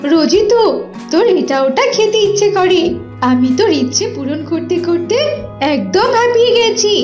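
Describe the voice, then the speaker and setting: A woman's voice: very high voice, lively intonation, moderate pace, darkish tone. A woman voicing an anxious, protective mother fox in a cartoon, emphatic and pleading. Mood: scolding, worried. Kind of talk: cartoon voice acting. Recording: roomy echo with music.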